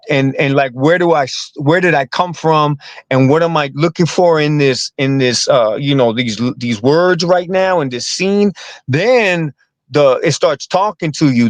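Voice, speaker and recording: Rambling higher-voiced man, dry sound. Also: dry recording. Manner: rambling, repeats words, streetwise slang. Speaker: comedian and actor guest. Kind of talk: casual interview talk.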